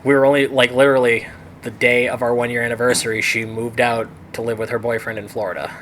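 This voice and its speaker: Fast, flat-toned, wry man. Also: mid-range voice, a little hiss or hum. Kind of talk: candid interview answer.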